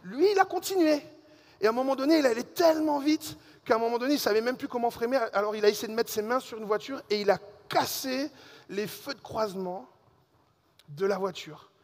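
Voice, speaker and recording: A man preaching a sermon as a pastor, telling a personal story in a lively way and speaking directly to the congregation. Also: extremely high pitch, fairly quick, in a large hall. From Alsace and Réunion. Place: church hall.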